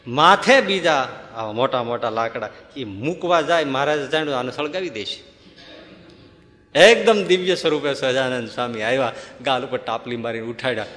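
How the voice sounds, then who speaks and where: A man preaching a sermon, telling a devotional story in a lively way and often chuckling. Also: medium pitch, moderate pace. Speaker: religious preacher. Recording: long hall reverb.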